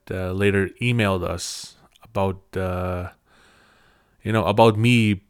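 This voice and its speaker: Male podcast host in his thirties, native Cree speaker, slightly low and smooth voice, dry close mic, casual halting delivery. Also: no room sound. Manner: halting, often restarts phrases. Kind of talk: casual personal storytelling.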